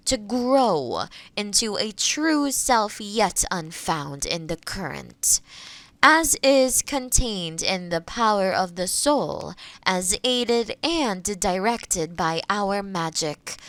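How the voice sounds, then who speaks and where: A woman playing a kind, gentle witch in a fantasy audio roleplay, speaking to the listener in a reassuring, explanatory way. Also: medium pitch, dry recording, exaggerated voice. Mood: solemn, incantatory. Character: kind, gentle forest witch guiding a transformation.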